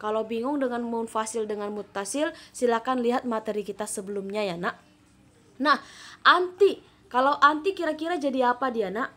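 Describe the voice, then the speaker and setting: A woman's voice: a little high, normal speed, sharp tone. A woman teaching Arabic to young pupils in a recorded lesson, patient and coaxing, often turning to address the children. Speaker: primary school Arabic teacher.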